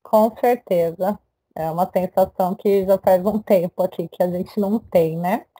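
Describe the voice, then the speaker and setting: A woman's voice: on the low side, moderate pace, mellow, rough recording. A woman moderating a school event, friendly and handing turns to students.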